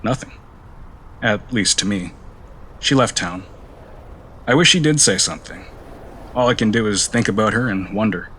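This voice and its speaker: A man playing a guarded, melancholy travel companion in an audio drama, terse and deadpan. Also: lowish voice, moderate pace, long pauses, slight background noise. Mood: melancholy, frank. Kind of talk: naturalistic audio drama acting.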